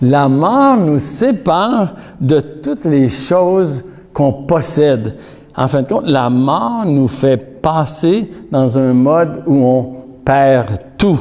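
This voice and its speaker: Over music in the background, a man talks at a very slow pace with lively intonation. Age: 70s. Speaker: preacher. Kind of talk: sermon. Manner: halting, self-correcting.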